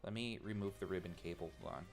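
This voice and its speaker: A man's voice: low-pitched, steady tone, quick pace, soft background music. A man streaming as he builds a robot, chatting casually and teasing himself while he tinkers. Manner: rambling, self-mocking, talks to chat while tinkering. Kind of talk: casual live-stream chat while working.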